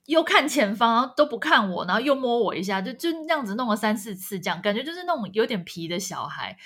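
A woman co-hosting a casual chat podcast, telling a story with lively delivery and acted-out quotes. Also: a little high, quick pace, husky. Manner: animated, acts out quoted voices. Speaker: podcast co-host.

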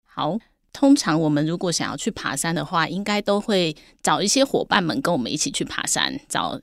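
A woman hosting in relaxed chat, leading each topic with a question to her partner. Her voice is on the low side, recorded close and dry. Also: fairly quick, gravelly, no echo. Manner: leads the talk with prompting questions. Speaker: show host. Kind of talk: casual teaching chat.

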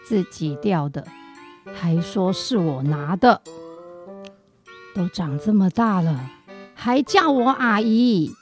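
A woman's voice: medium pitch, lively intonation, slow, long pauses, soft background music. A woman acting an affectionate, easily indignant, confused old woman with dementia in a radio drama.

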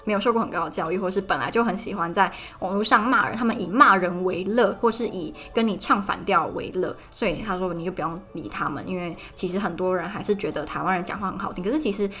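A woman's voice: on the low side, fast, few pauses, fairly bright tone. A young woman in her twenties with a Taiwanese Mandarin accent, hosting a casual podcast and ranting in a chatty monologue. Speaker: podcast host. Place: student dorm room. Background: faint background music.

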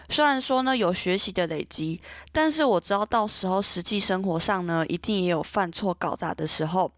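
A young woman from Taiwan, hosting a solo podcast and telling a personal story in a gentle, earnest way with many soft pauses. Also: medium pitch, dry recording, clean studio sound. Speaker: podcast host. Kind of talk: scripted solo podcast talk.

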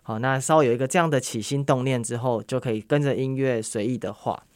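A man's voice: medium pitch, steady tone, fast, darkish tone, no room sound, clean studio sound. Patient Taiwanese-accented man explaining step by step. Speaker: interview guest, art and occupational therapist. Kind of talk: casual explanatory interview talk.

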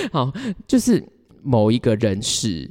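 A man speaks Mandarin with a Taiwanese accent in a very lively, swinging intonation. He tells stories casually, giggly and rambling, like a podcast co-host. His voice rings with a long reverb. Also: mid-range voice, slow pace. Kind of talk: casual chat, personal storytelling. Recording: reverberant, hall-like sound.

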